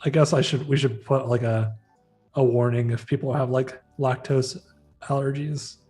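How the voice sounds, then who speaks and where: A man's voice: mid-range voice, fairly even intonation, normal speed, warm tone, soft background music. A man co-hosting a live stream, chatting casually, laughing often and reading out viewer comments as he works. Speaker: livestream co-host. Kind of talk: casual live-stream chat while working.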